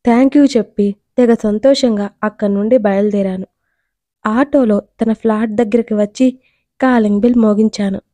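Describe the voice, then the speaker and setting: Dark-voiced woman telling a story. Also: medium pitch, moderate pace, no room sound. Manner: expressive, dramatic. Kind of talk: first-person audio story narration.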